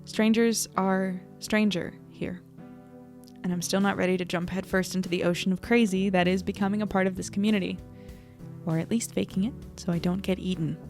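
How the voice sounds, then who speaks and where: A woman's voice: mid-range voice, fairly even intonation, a little fast, darkish tone, soft background music, lightly acted. A woman in her twenties playing an anxious, wry young reporter rambling into an audio diary in a casual, self-deprecating way. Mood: wry, uneasy. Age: 20s. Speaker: narrator and lead character. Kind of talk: audio drama diary monologue, casual and conversational.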